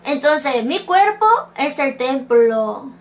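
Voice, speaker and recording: A woman's voice: high voice, animated, slow. A woman preaching a sermon, reading scripture verses aloud and asking rhetorical questions. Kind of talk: slow sermon.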